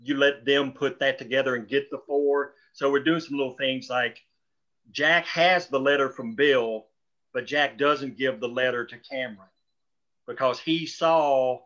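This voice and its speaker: A man's voice: mid-range voice, steady tone, unhurried, a bit bright, highs cut off. A man explaining storytelling choices in a group discussion, talking discursively as a writer of the show.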